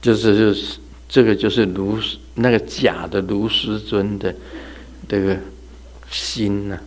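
Speaking in a lowish, steady, unhurried voice, a man delivers a religious talk made of funny ghost stories. He's a religious teacher who keeps it chatty, laughing and mimicking sounds as he tells them.

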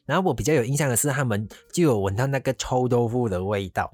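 A man's voice: medium pitch, quick pace, darkish tone, breathy edge, no room sound. A man casually telling a travel story, rambling along and slipping into English phrases. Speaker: vlogger.

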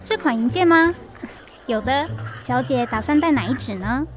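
A woman's voice: high-pitched, lively intonation, normal speed, background noise. An actress with a Taiwanese accent playing a polite, attentive female jewelry counter clerk in a radio drama. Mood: polite, helpful.

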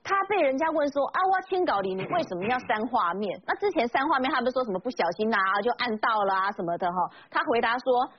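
A woman's voice: fairly high pitch, expressive, quick pace, hardly any pauses, slight background noise. A woman hosting a political talk show, chatty and full of tag questions. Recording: slightly dull broadcast audio.

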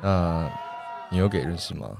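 A man's voice: sits low, normal speed, gravelly. A man playing a confident, flirtatious gay man in a radio drama, teasing and coaxing suggestively. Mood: teasing, flirty. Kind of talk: improvised-feel romantic radio drama acting.

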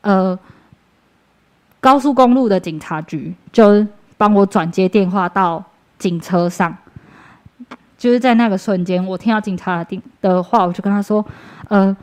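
A woman's voice: mid-range voice, moderate pace, long pauses, darkish tone, clear, resonant tone. A young woman with a Taiwanese Mandarin accent, giving a personal church testimony in an earnest, conversational way, with fillers and restarts.

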